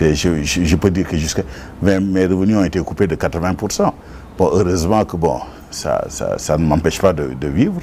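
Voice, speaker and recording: A man with a very deep, low pitch speaks moderately paced, his pitch shifting in an ordinary way. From Senegal. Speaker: engineer and presidential adviser. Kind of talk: interview. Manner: halting, many repetitions.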